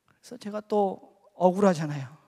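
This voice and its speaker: Male missionary preacher, high voice, whispers to outbursts, echoey church hall. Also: moderate pace. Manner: swings between hushed whispers and loud emotional outbursts. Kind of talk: sermon testimony. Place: church sanctuary.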